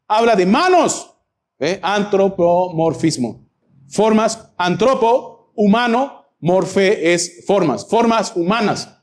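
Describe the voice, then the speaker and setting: A man's voice: sits high, a little mellow. A man preaching a Bible-teaching sermon, emphatic and full of rhetorical questions.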